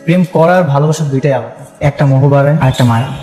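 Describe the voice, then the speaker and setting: A man's voice: medium pitch, racing, warm tone, soft background music, lightly acted. An actor playing an earnest young man who pleads with his girlfriend, in a melodramatic drama. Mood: tender. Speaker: boyfriend. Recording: echoey room with long reverb.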